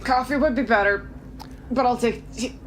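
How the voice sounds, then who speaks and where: A woman's voice: a little high, moderate pace, slight background noise, pitched above the performer's own voice, close to an everyday voice. A woman playing a down-on-his-luck male private investigator in a tabletop game, dry and offhand. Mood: pained, evasive. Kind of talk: tabletop roleplay.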